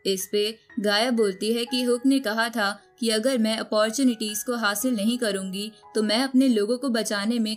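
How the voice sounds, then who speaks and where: A woman reading a scripted story recap as a narrator, telling the events in storytelling style. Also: fairly high pitch. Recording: music bed under the voice. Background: background music.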